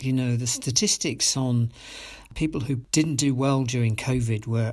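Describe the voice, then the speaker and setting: A somewhat breathy, medium-pitched man at a moderate pace with fairly even intonation, in a very clean recording with a silent background. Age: 60s. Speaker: psychologist and podcast host. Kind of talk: solo podcast monologue.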